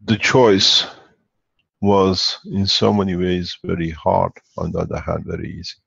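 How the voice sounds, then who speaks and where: Deep, gravelly man on a dull call line. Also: fairly even intonation, measured pace, a bit bright, dry recording. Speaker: host. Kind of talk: speech on an online call.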